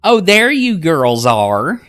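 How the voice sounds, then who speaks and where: A man's voice: on the high side, wildly swooping pitch, takes it slowly, a bit bright, smooth, faint music behind, voice pushed up, exaggerated voice. Game role: nosy, chatty young mother, folksy and teasing, raised swooping voice, performed by a man. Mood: breezy greeting. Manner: folksy, over-familiar.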